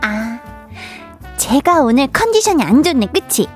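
A woman playing a bright young woman in a radio comedy sketch who coos at a little child in a high, swooping, sing-song voice. Her pitch leaps up and down, and soft music runs faintly underneath. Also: very animated, a little slow. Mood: puzzled. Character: bubbly young woman fussing over a child.

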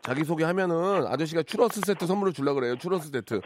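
A man hosting a phone-in radio show, teasing callers with deadpan banter. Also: a little high, quick pace, a little hiss or hum. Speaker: radio host. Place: radio studio.

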